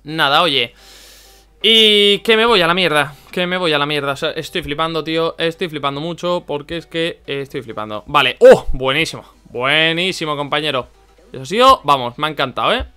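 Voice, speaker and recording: A young man narrates his mobile game for his viewers, animated and quick to vent his frustration. His voice is high, bright and smooth, and it swings all over his range. Faint game music plays behind him. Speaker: gaming YouTuber. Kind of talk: excited game commentary.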